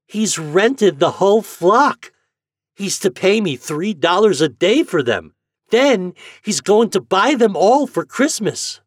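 A man's voice: sits high, sing-song, takes it slowly, dry recording, studio quality, pitched above the performer's own voice, heavily acted. A man voicing an eager, jolly farm boy in a storybook, speaking in rustic old-time country dialect. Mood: excited, proud. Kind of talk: storybook character voice.

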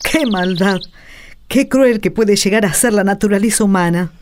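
A woman's voice: medium pitch, normal speed, darkish tone, close to an everyday voice. A woman playing a devout, fussing parish helper, deferential and given to exclaiming, in a radio drama. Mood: indignant. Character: devout, indignant female parish helper, fussing over her priest.

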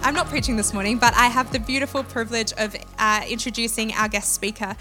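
A woman introducing a guest speaker and reading scripture, pausing often with "uh" and slowing down for the verses. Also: fairly high pitch, fairly even intonation, music in the background. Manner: warm, with frequent "uh" pauses, slows for scripture. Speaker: church leader introducing the speaker.

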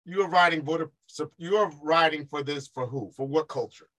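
Bright-voiced man pressing questions on radio. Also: fairly high pitch, fairly quick, poor audio. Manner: probing, interrupting, teasing. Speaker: radio talk show host. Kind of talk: heated talk-radio debate.

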